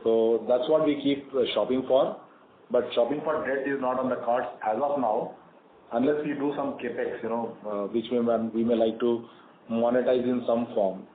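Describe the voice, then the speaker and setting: A man with an Indian accent answering investor questions on an earnings call as a company executive, in measured explanations. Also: medium pitch, fairly even intonation. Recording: phone-like conference line, echoey, clearly noisy.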